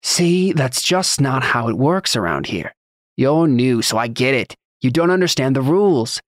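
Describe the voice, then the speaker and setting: A man's voice: medium pitch, sing-song, measured pace, dry recording, clean studio sound. A man voicing a reckless young dockworker bully in a fantasy audiobook, taunting and swaggering in slangy speech. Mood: smug, mocking.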